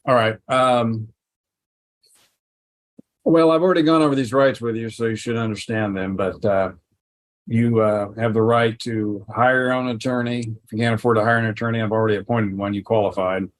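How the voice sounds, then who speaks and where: A man's voice: lowish voice, fairly even intonation, moderate pace. A man speaking as a judge in a courtroom recording, running a hearing with short procedural questions and prompts. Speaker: judge presiding over a hearing.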